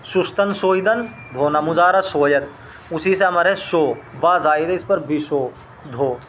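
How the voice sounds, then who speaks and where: A man with a high voice works through a recorded lesson, reading a phrase and then repeating it. He talks slowly and explains each word in turn. A faint room hum runs underneath. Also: fairly bright tone. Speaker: language teacher.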